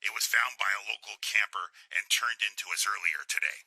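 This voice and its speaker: A man playing a grave, formal sheriff in an audio drama, speaking in a measured, official way. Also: fairly low pitch, creaky, sharp tone, breathy edge, dry recording, heavily acted, poor audio.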